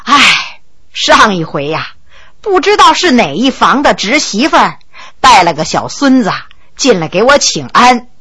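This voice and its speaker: A woman voicing a kindly, rambling elderly empress dowager in a storybook, speaking slowly with sighs. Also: a little high, very animated, sharp tone, breathy edge, dry recording, clean studio sound, heavily acted. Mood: chatty. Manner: slow, chatty, sighing.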